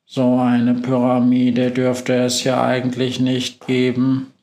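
A man's voice: medium pitch, completely flat delivery, slow, dark tone. A man voicing a laid-back male machine, a rolling search engine, with a cool, drawling delivery.

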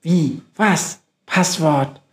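A man voicing a small, nervous and curious male reporter mouse in a high, anxious voice. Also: very slow, reverberant. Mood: worried. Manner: anxious, questioning.

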